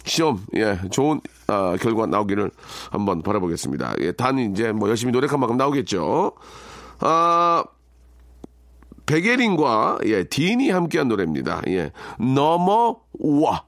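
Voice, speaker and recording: A man's voice: medium pitch, big pitch swings, moderate pace, a bit bright, no room sound. A middle-aged man hosting a radio show, reading listener messages and chatting about them with wry asides and constant filler words. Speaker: radio DJ host. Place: radio studio. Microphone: studio microphone.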